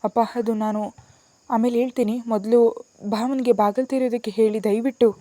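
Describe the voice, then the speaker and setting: An anxious young wife pleading at a shut door, as a woman storyteller voices her, her voice raised and urgent. The storybook reading keeps a soft, mellow tone under the worry. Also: on the high side, fairly even intonation, normal speed, no echo, lightly acted. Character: pleading, tearful young sister-in-law.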